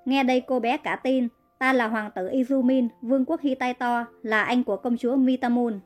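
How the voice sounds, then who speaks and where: A woman's voice: fairly high pitch, fairly even intonation, moderate pace, faint music behind, close to an everyday voice. A woman reading the part of a cold, commanding young male prince in a narrated story.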